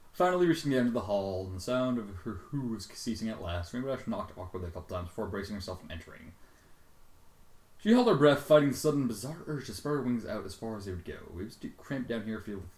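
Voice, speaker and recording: A man giving a dramatic reading with exasperated, sweary commentary and sudden loud outbursts. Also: fairly low pitch, echoey room. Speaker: fan fiction reader and commentator.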